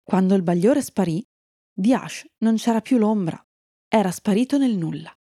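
A woman storyteller gently reading a fairy tale to children and chatting kindly with her young listeners. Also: medium pitch, expressive, normal speed, no echo, studio quality.

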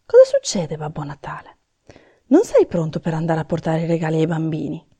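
A woman voicing an eager, cheerful male Christmas elf helper in a storybook reading, lively and excited. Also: sits low, a little fast, slightly rough, dry recording, full character voice.

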